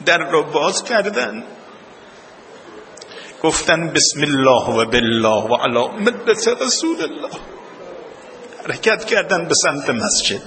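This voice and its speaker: A man's voice: a little high, big pitch swings, long pauses, sharp tone, a little hiss or hum. A man preaching a mourning sermon and leading prayers, rising into a wailing chant. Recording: long hall reverb, faint ambience.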